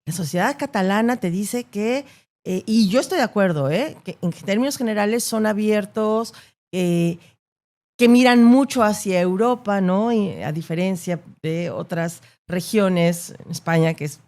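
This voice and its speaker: A woman's voice: medium pitch, unhurried, darkish tone. A woman, a journalist guest answering in an interview, thoughtful and emphatic, often tagging points with a questioning "no?". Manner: thoughtful, emphatic, with frequent rhetorical "¿no?".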